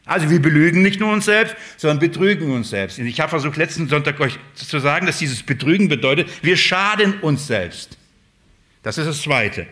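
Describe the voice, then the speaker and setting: A man preaching a sermon, emphatic, swinging between loud and hushed, and asking the congregation rhetorical questions. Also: fairly high pitch, animated, normal speed.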